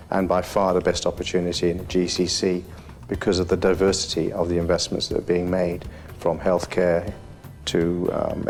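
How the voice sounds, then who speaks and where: Low, very flat-voiced man. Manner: measured, with filler pauses. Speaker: interviewee. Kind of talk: interview answer.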